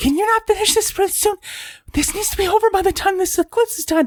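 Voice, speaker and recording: An extremely high, squeaky put-on character voice rattles along at a very fast pace. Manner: desperate.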